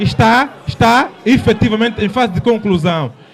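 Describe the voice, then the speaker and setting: Noticeable background noise accompanies a man whose intonation is lively. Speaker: political debate panelist. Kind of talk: heated debate. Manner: halting, repeats words.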